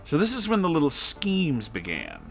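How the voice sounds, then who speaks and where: A man reading internet stories aloud in an expressive, effusive way, breaking in with casual, emotional asides. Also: a little high, normal speed, creaky, soft background music, poor audio. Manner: emotional, effusive, reactive, profane.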